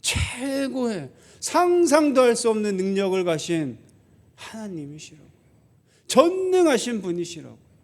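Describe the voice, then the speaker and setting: A man's voice: high voice, very animated, a little slow. A male pastor preaching a sermon to his congregation, asking rhetorical questions and acting out grumbling children in quoted lines.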